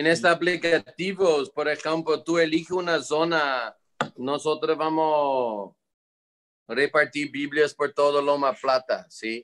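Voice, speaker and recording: With a Portuguese accent, a man with a fairly high pitch speaks very slowly with ordinary pitch variation. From Netherlands. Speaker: missionary. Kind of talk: testimony.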